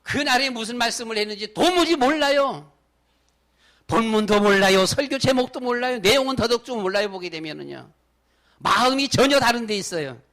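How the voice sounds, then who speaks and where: A middle-aged male pastor delivers a sermon in an emphatic, conversational way, stacking up lists and repeating his points. His voice sits high for a man. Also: animated, fairly quick, fairly bright tone. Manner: emphatic, repetitive, conversational preaching.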